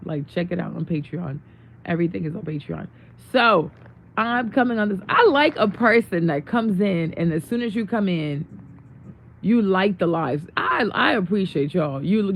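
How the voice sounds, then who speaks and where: A young woman with a worn-out, hoarse voice chatting casually with viewers on her livestream, greeting them and laughing often. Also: lowish voice, a little hiss or hum, low-quality recording. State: losing her voice. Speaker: livestream host. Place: home room.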